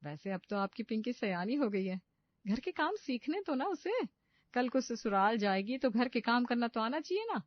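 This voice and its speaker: A woman's voice: a little high, big pitch swings, moderate pace, dry recording. A woman voicing a nosy, gossiping middle-aged neighbor aunty who mutters and meddles in a cartoon. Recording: dull lo-fi dry recording.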